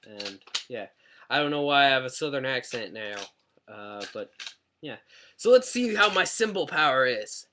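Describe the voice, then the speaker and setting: A man's voice: mid-range voice, big pitch swings, moderate pace, background noise. A man chatting casually in a rambling, self-deprecating way while reviewing a toy on his webcam at home. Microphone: webcam mic.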